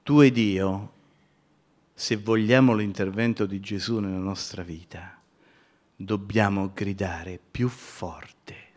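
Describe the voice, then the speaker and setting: Impassioned preacher, slow delivery. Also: male voice, fairly low pitch, fairly even intonation. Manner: impassioned, builds to loud shouting; addresses the congregation as brothers. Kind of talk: sermon.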